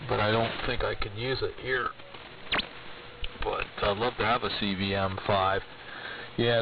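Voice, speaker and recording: A man chatting casually as an amateur radio operator over shortwave AM, hesitant and rambling as he thinks aloud. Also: on the low side. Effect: shortwave AM radio transmission. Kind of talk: casual ham radio chat. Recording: noisy, muffled, distant shortwave radio signal.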